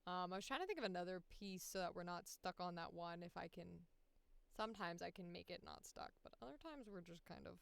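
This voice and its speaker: A woman's voice: fairly low pitch, animated, fairly quick, creaky, smooth, no room sound. A woman chatting casually on a livestream as she works, thinking aloud in a rambling, sweary, self-deprecating way. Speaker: streamer and voice actor editing audio. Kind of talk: casual livestream chat with bursts of singing.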